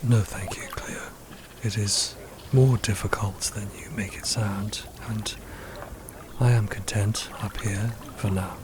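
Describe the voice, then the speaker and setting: A man's voice: lowish voice, fairly even intonation, slow pace, background noise. A man playing a reserved, secretive undead being in a fiction podcast, awkwardly earnest, with a hesitant, formal manner. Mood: quiet reserve. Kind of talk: understated fiction podcast acting.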